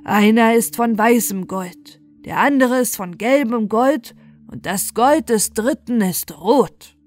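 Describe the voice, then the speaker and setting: A woman's voice: fairly high pitch, slow pace, darkish tone, soft background music. A woman voicing a menacing old male sorcerer in a fairy tale, commanding and threatening with heavy emphasis. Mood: stern, threatening.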